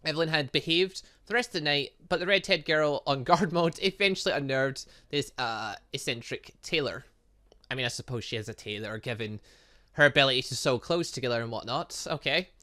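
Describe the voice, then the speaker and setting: A man's voice: medium pitch, brisk, bright, forceful tone. A young man doing casual let's play commentary, rambling and mildly sweary, stumbling as he reads game text aloud. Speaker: gaming channel host.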